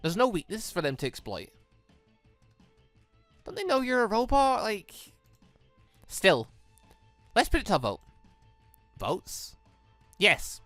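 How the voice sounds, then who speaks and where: Gamer reading visual novel lines n rambling, swoopy pitch, dry close mic, bit of music behind. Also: huge pitch swings, takes it slowly, long pauses, fairly bright tone, dry recording. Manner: rambling, thinks aloud, often repeats and rephrases. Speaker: let's play host. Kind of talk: casual gaming commentary, reading visual novel dialogue aloud. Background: game music.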